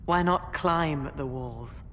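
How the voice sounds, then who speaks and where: A woman's voice: slow, fairly bright tone. A woman playing a blunt, proud tribal raid leader in a video game, speaking in formal declarations. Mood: blunt, resolute. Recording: reverberant, noisy rumble.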